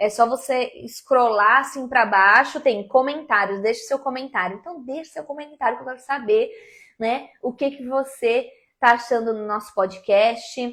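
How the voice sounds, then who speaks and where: A woman speaks fairly slowly at a high pitch, with ordinary pitch variation. Her loudness swings widely. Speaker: psychologist and podcast host. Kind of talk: live stream talk. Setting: live video stream. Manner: animated.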